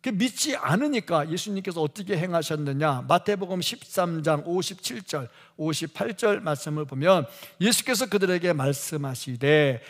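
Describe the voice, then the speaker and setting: A man preaching a sermon in a church sanctuary, talking conversationally, asking rhetorical questions and laughing at times. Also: fairly high pitch. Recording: reverberant church hall.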